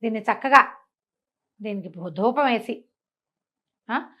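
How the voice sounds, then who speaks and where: Woman acting old village granny, sly, cajoling, repetitive phrasing, folk storytelling, higher-pitched. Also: expressive, slow pace, bright, forceful tone, exaggerated voice. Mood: warning, cajoling. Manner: repeats words, cajoling.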